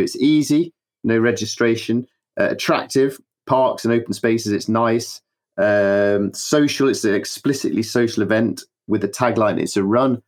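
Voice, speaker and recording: A man hosting an interview podcast, chatty and now and then stumbling over his words. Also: fairly low pitch. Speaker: podcast host.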